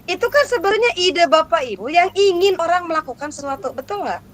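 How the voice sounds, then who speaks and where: A woman's voice: very high voice, expressive, brisk. A woman gives an interactive workshop lecture to teachers, playful and constantly questioning her audience. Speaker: lecturer for teacher exam prep.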